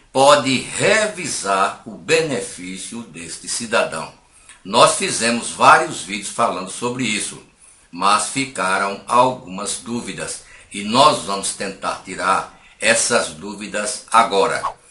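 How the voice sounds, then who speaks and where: Audible room echo fills the space. Within it, a man speaks very slowly. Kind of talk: explanatory commentary to camera. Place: home room.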